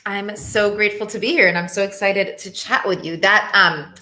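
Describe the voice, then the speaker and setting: A woman's voice: mid-range voice, normal speed, bright, forceful tone, reverberant. A young woman being interviewed, talking candidly and animatedly, laughing often. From Cape Verde and Mozambique heritage, raised in Ethiopia. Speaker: empowerment coach guest. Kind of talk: casual interview conversation.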